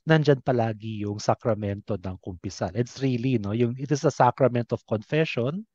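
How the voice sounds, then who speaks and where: Male Filipino talk host, medium pitch, conversational, on a dry and slightly muffled recording. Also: moderate pace, darkish tone, dry recording. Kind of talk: conversational interview hosting, mixing Tagalog and English.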